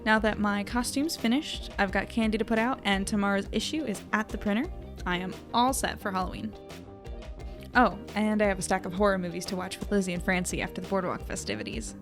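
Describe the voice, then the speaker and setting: A woman's voice: medium pitch, a little fast, over music, close to an everyday voice. A woman playing an anxious, self-doubting young newspaper editor, narrating and chatting wryly in an audio drama. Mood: wry, worried. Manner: wry, melodramatic, conversational. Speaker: narrator and lead character.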